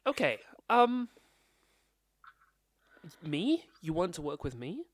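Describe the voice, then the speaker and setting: A woman's voice: fairly low pitch, big pitch swings, slow, exaggerated voice. A woman voicing a flustered young female shop owner in a tabletop role-play, stumbling over her words.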